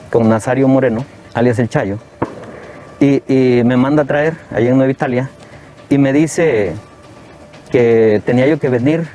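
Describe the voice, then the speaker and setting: A man's voice: medium pitch, warm tone. Mexican man recounting, faint outdoor noise. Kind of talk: spoken testimony, recounting.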